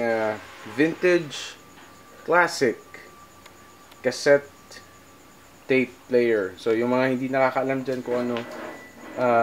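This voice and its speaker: A middle-aged Filipino man talks casually to viewers in a halting, conversational vlog style, thinking aloud as he demonstrates. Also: mid-range voice, slight background noise. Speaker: musician vlogger.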